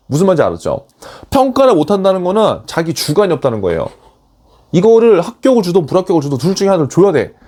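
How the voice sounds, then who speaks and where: A man's voice: a little high, warm tone. A man giving an online lecture as a job application coach, emphatic and urging, often switching into blunt casual speech.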